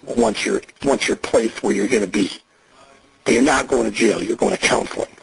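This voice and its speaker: A man on a recorded jail payphone call, coaching and reassuring the caller in a profane, steady way. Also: fairly low pitch, normal speed, creaky, slight background noise, rough recording. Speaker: agent on a phone call.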